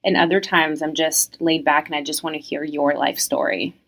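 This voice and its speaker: A woman's voice: sits low, fairly even intonation, normal speed, a bit bright. A young woman from France who grew up in the United States, answering interview questions in a chatty, reflective way with many fillers.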